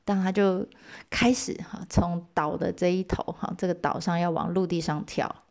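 A woman's voice: lowish voice, moderate pace, creaky. Chatty woman telling an old myth. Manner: chatty, lively, asides to listeners. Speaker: storyteller. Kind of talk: casual myth storytelling.

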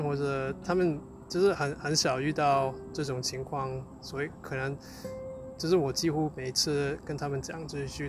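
A man who is a non-native Mandarin speaker with a foreign accent chats casually, searching for words and repeating phrases as he goes. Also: mid-range voice. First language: not Mandarin, a foreign learner of it. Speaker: co-host, Chinese learner. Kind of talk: casual unscripted chat.

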